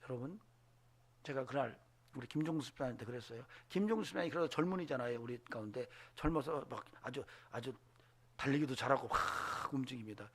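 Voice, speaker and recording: A man preaching a Sunday sermon, animated, acting out voices and dropping to whispers. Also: mid-range voice, quick pace. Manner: animated, acts out voices in quotes, drops to whispers. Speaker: pastor. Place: church sanctuary.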